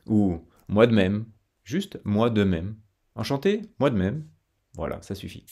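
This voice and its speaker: Slow, deep-voiced man teaching pronunciation. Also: expressive, gravelly, warm tone, husky. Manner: careful, syllable-by-syllable articulation, repeating phrases slowly. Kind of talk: pronunciation lesson with model sentences to repeat.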